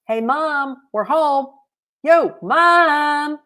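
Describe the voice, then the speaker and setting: A woman's voice: high-pitched, drawn-out words, bright, forceful tone, voice pushed up, full character voice. A woman voicing an eager, bossy young schoolgirl in a storybook read-aloud, with emphatic exclamations.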